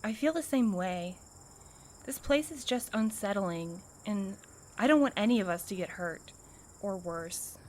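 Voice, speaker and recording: Woman playing a wary, sardonic woman, mid-pitched. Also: expressive, measured pace, darkish tone, lightly acted. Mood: uneasy. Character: wary, sardonic but loyal woman, uneasy sidekick. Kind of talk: naturalistic audio drama acting.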